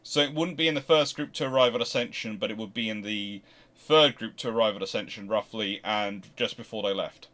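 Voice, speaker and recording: Bright-voiced man in halting discussion. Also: lowish voice. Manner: halting, repeats and restarts phrases. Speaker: naval history discussion panellist. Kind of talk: unscripted expert discussion.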